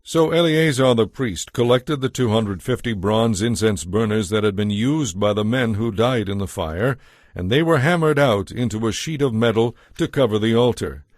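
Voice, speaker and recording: A man narrating scripture from a script as a storyteller, in a measured, solemn way. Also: fairly low pitch, animated, no echo, clean studio sound.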